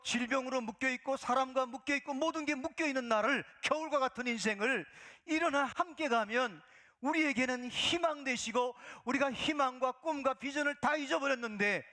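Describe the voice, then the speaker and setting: A male pastor delivering a Sunday sermon with emphatic preaching, dropping to soft whispers when quoting. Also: very high-pitched. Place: church sanctuary.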